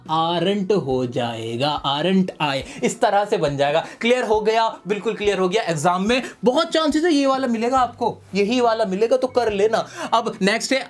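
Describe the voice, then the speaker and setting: A man teaching English grammar in a lesson video, playfully asking questions and answering them himself. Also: very high-pitched. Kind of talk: explaining grammar lesson to camera.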